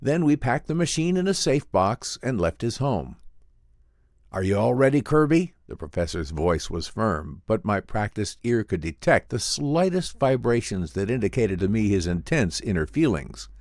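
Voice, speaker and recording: A man with a low voice narrates an old science fiction tale as an audiobook. His delivery is theatrical and measured, with expressive rises and falls. The recording is dry and close. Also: no room sound. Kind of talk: dramatic scripted narration of vintage science fiction.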